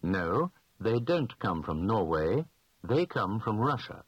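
Low husky man, careful drill answers. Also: sing-song, dry recording, lo-fi sound. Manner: slow, clearly enunciated answers. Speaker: language lesson speaker. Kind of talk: scripted language drill.

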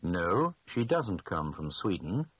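A man giving slow, clearly spoken answers in a scripted language lesson drill. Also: low voice, sing-song, no echo, highs cut off.

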